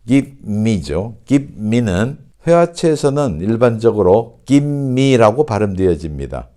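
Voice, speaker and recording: A man teaching an online English pronunciation lesson, speaking slowly and deliberately and repeating example sentences. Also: medium pitch, dark tone.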